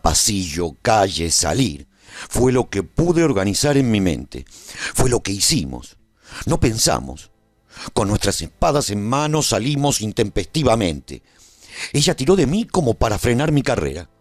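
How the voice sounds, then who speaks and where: A low, husky warrior recounts his adventure in a radio drama, brave and full of awe. The pitch swings widely for theatrical effect, with weighty pauses, in a very dry recording over faint music. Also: a little mellow, no echo. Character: brave male warrior narrating his adventure, awed and lovestruck. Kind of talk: dramatic scripted first-person radio serial narration.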